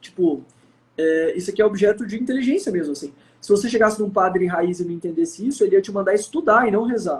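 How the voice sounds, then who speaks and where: A man speaks very fast in a high voice, with big swings in loudness and ordinary pitch variation. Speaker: convert giving faith testimony. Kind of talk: testimony in live interview.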